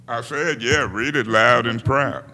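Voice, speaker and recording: A man's voice: mid-range voice, measured pace, sharp tone, big-room sound. A man chairing a city council meeting as its president, speaking in an informal, folksy way in council chambers. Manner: informal, folksy speech with plain talk.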